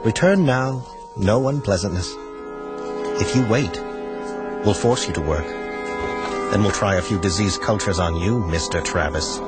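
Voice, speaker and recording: A man's voice: fairly low pitch, unhurried, long pauses, over loud music, natural voice. An actor playing a suave, menacing male agent from the future who hunts a runaway couple, in a radio drama. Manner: suave, mocking, patient menace. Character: menacing male time agent, smug cold hunter.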